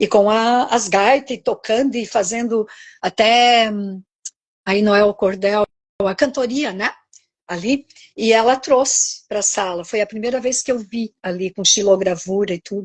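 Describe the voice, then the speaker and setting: At a fairly slow pace, a woman speaks at a fairly high pitch with ordinary pitch variation, a normal speaking voice. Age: 60s. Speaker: poet. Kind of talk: interview conversation.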